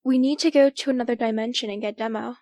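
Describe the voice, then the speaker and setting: Actress as an earnest, high-voiced young woman. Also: steady tone, fast talker, warm tone, natural voice. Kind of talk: audio drama acting.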